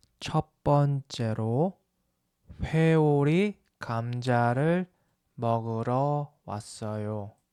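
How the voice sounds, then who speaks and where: Very slow speech with long, frequent pauses. The recording is very clean, with a silent background. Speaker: Korean language teacher. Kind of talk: language-learning vlog narration. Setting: outdoors. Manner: slow, clear.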